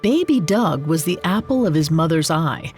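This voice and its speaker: A woman co-hosting a podcast, telling scripted true-crime stories in an expressive storytelling manner. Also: low voice, moderate pace, faint music behind. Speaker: podcast co-host.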